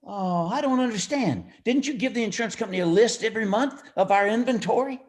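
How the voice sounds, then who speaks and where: A man's voice: high voice, fast talker, close to an everyday voice. An actor playing a cranky, forgetful old male jeweler, stammering and querulous in campy noir radio style. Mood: blustering, indignant.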